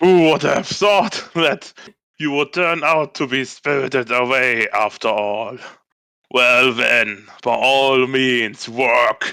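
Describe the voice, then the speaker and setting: A man growls in a put-on character voice at medium pitch, speaking very slowly with very even loudness and ordinary pitch variation. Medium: read story. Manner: gruff, curt.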